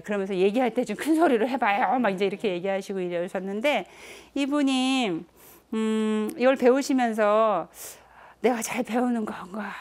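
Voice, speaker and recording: A middle-aged woman lectures an audience on nonviolent communication. She asks the listeners questions as she goes. When she quotes family members, she acts them out with sudden jumps up in pitch.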